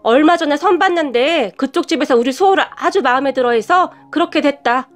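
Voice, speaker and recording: A woman's voice: sits high, fairly quick, lightly acted. A woman voicing a scornful middle-aged mother. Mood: scolding. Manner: sharp, scolding, talks down.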